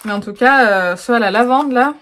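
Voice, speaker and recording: A woman's voice: a little high, brisk, background noise. Chatty French woman vlogging at home. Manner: chatty, laughs often, many fillers. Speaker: beauty vlogger. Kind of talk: casual vlog chat. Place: home, indoors.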